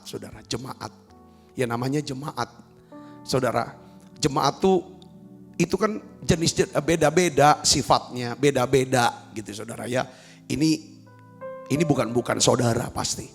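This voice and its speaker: A man's voice: mid-range voice, vocal fry, long reverb tail. A male pastor preaching a sermon, emphatic and repeatedly addressing the congregation directly.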